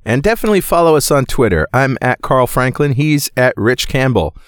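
A man's voice: medium pitch, lively intonation, a little fast, clear, resonant tone, no echo. A man hosting a podcast, upbeat and jokey in casual chat, introducing the guest. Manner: jokey, upbeat, fond of asides. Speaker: podcast host.

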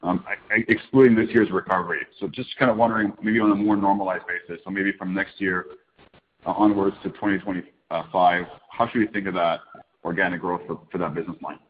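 Deep-voiced male analyst on a phone line. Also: fairly even intonation, fairly quick. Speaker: financial analyst caller. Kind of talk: asking questions on an earnings call. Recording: dull telephone conference line.

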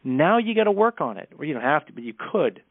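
A man talking as a speech coach in a podcast interview, brisk and candid. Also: a little high, very animated, no room sound. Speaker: communication coach. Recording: tinny phone-like line, dry.

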